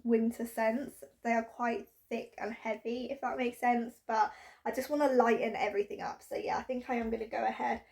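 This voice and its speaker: A woman's voice: a little high, level tone, moderate pace, vocal fry, a little mellow. Bunged-up woman vlogging. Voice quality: bunged up, nasal. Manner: chatty and bubbly. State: congested with a cold; out of breath. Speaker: home vlogger. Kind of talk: cleaning vlog chat. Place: bedroom at home.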